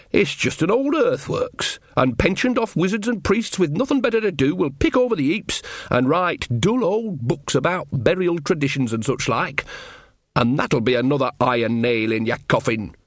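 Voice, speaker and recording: A man puts on a shrewd old woman witch for a fantasy audiobook. The pitch is lifted well above a normal male register. She speaks in blunt, folksy, colloquial phrases, cheeky and unafraid. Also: dry recording, studio quality.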